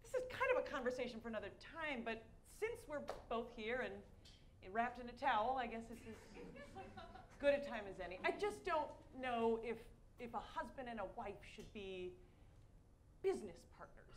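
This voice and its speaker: A woman's voice: a little high, expressive, a little hiss or hum. A woman performing an improvised comedy scene on stage, playful and giggly, thinking on her feet. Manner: playful, giggly, quick-witted. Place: small theater stage.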